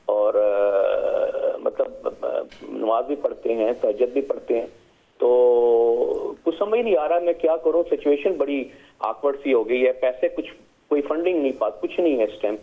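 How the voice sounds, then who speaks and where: A middle-aged man from Pakistan, calling in to a show and speaking hesitantly with many fillers and English words. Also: medium pitch. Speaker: caller. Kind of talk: phone-in call to a TV show. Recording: tinny phone line.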